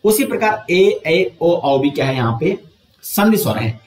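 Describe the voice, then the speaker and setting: A man teaching an exam coaching lesson, explaining step by step, asking and answering his own questions, and drawing out sounds slowly to show them. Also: on the high side, sing-song, a little mellow, roomy sound.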